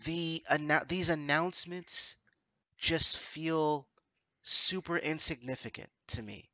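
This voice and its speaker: Male host, bright forceful voice, slightly stuffy nose, rambling casual chat, very dry recording. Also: fairly high pitch, takes it slowly, no room sound. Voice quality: congested nose from allergies. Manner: hesitant, self-correcting, rambling. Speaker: podcast host.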